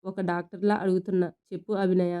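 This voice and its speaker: A firm young mother who is also a doctor, speaking steadily with a low, warm tone, as a woman reads her in a storybook. Her voice stays smooth and flat in pitch, even when she scolds or worries. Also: quick pace, close to an everyday voice. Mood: concerned.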